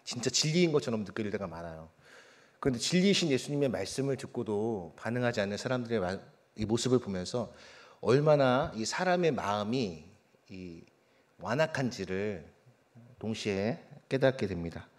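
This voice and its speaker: A male pastor preaching a sermon. He asks the congregation questions, reads scripture aloud with a raised voice, and lets his phrase endings fall soft. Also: lowish voice, lively intonation. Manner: slows and drops soft at phrase ends.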